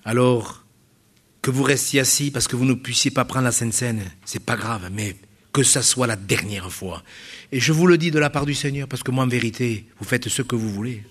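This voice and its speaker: A middle-aged pastor preaching to his congregation in a husky, slightly breathy voice of ordinary pitch. He drives his points home with repetition and rhetorical questions, pushing steadily through a church sermon. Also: normal speed. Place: church service.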